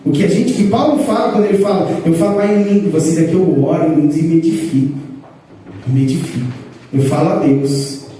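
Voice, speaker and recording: High-voiced Brazilian pastor in an echoey hall. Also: male voice, a little fast, dark tone, a little hiss or hum. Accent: Brazilian Portuguese. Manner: explanatory, rises in pitch to stress points, addresses congregation as brothers. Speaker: pastor teaching a church class. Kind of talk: teaching sermon. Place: church hall. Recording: echoey hall, picked up from a distance.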